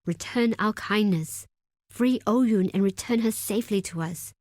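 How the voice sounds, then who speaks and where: A woman's voice: medium pitch, a little slow, darkish tone, no echo, studio quality, natural voice. A woman playing a proud, stern tribal deputy leader in a video game, speaking in a solemn, formal, imperious way. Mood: urgent, grave. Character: proud, stern desert tribe woman, second-in-command, wary of outsiders. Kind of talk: dramatic video game character acting.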